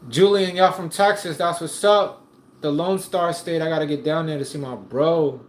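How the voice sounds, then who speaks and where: With a voice on the high side and a normal speed, a man casually hosts a livestream from a room at home. He reads viewer comments in a slangy, laid-back way and chuckles often, while his streaming mic catches room echo and faint noise.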